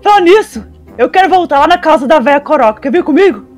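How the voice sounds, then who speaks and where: High-pitched, dopey cartoon cat. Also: animated, fast, soft background music. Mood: friendly, dopey. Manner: dopey, dim-witted drawl. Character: dopey male cartoon cat, friendly and teasing. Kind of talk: improvised Minecraft role-play.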